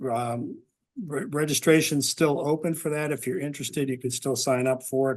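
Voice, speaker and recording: Fairly even intonation marks speech delivered at a moderate pace. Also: man. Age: 60s. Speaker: photography club field trip leader. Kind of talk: club meeting announcements. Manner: halting, many fillers.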